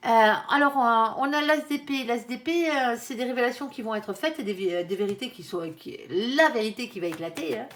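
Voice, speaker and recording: A woman's voice: fairly high pitch, a little fast, few pauses, fairly bright tone. A woman reading tarot cards for her viewers in a chatty, casual way, often tagging her sentences with little asides. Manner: chatty, constant "hein", playful asides. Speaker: tarot reader.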